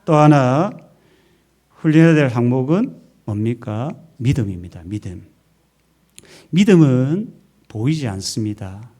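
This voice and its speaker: A male pastor delivers an emphatic Sunday sermon in a church sanctuary. His voice is mellow and sits at an ordinary pitch for a man. He keeps asking rhetorical questions and has the congregation repeat his words back to him. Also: animated, a little slow, pauses often. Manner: emphatic preaching with rhetorical questions and call-and-response.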